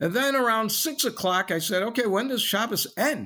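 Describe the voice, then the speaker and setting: With an American accent, a man talks at a fairly quick pace in a bright, sharp tone. His pitch swings very widely, and the recording is very clean with a silent background. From Chicago suburbs, US Midwest. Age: 70s. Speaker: interview guest sharing religious journey. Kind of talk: interview testimony.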